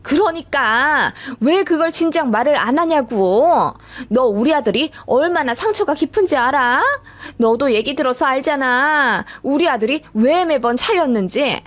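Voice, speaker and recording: A woman's voice: high-pitched, expressive, moderate pace. A woman voicing a spiteful, overbearing older mother-in-law who lectures and accuses in a radio story. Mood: scolding.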